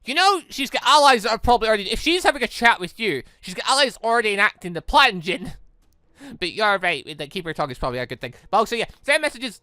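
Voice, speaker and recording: Bright, animated male gamer, higher-pitched voice. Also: fast, clear, resonant tone, dry recording. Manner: animated, rambling asides. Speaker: gaming YouTuber, let's player. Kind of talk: let's play commentary with dramatic read-aloud.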